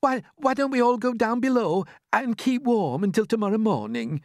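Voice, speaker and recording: A gentle lady spider making a hesitant suggestion, as a man reads aloud. Her voice rises higher as she goes on. Dry, close sound. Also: expressive, normal speed, no room sound. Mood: suggesting.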